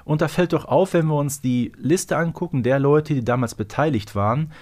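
A man's voice: fairly high pitch, normal speed, darkish tone. A man co-hosting a casual podcast discussion, explaining things in detail in a conversational way. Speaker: podcast co-host.

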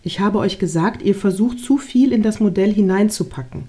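A woman's voice: mid-range voice, moderate pace, mellow, breathy edge, natural voice. A woman reading aloud, voicing a doubtful, fussy male angel helper who asks sighing questions.

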